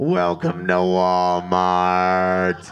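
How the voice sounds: A man puts on a character voice at a very deep, low pitch. It sounds robotic.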